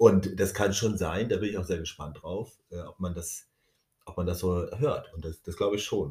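A man with a very deep, low pitch and a dark, mellow, somewhat breathy tone speaks at a moderate pace, with ordinary pitch variation and big swings in loudness. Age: 40s. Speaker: podcast co-host. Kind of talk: casual chat. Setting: at home, kitchen table.

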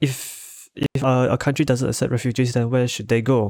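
A man speaks with a Malaysian accent. His pitch is medium. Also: dry, close sound with no echo. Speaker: student podcaster. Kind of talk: casual chat.

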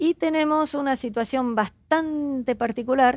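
A woman with a Cordoban Argentine accent speaks at a fairly slow pace, her pitch varying in an ordinary way. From Argentina, Córdoba. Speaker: economist. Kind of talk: interview.

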